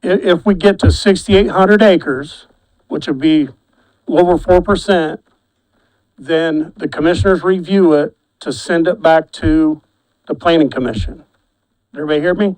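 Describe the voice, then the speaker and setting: Brief: male commissioner chairing a public meeting, voice sits a bit high, halting repeats. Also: darkish tone, rough recording. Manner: halting, repeats words when restarting. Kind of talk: formal meeting procedure. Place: county meeting room.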